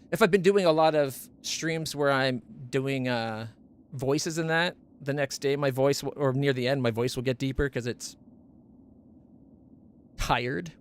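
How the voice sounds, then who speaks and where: A man's voice: creaky, a little hiss or hum. A man streaming from home, chatting casually about his gear in a rambling, self-correcting way, close on a studio condenser mic. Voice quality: not very deep voice. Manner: rambling, self-correcting, stumbles over names.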